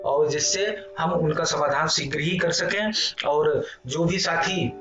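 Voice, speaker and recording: A slightly high-voiced man teaches a grammar lesson for exam students. He sounds distant from the mic in an echoey room, and music plays clearly behind him. He repeats phrases and reads rules out slowly. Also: fairly even intonation, highs cut off. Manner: explanatory, repeats phrases, many fillers like "theek hai"; reads sutras and examples slowly.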